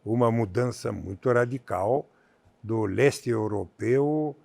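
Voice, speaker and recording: A man in his seventies from Bulgaria, speaking with a Bulgarian accent as a guest in an interview on a theater stage, measured and halting with many fillers. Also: medium pitch, gravelly, darkish tone, no echo. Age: 70s. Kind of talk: stage interview on a TV talk show.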